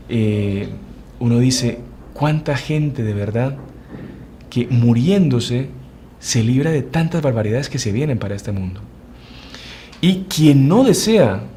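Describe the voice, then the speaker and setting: A man's voice: mid-range voice, darkish tone, a little hiss or hum. A man with a Uruguayan Spanish accent, a religious brother giving an earnest spiritual formation talk. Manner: earnest, preaching, speeds up and slows for emphasis.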